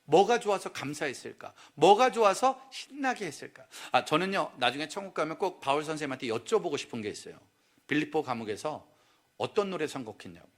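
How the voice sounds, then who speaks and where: A middle-aged male pastor preaching a lively, humorous sermon in a church, teasing and questioning the crowd. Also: a little high, brisk. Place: church sanctuary.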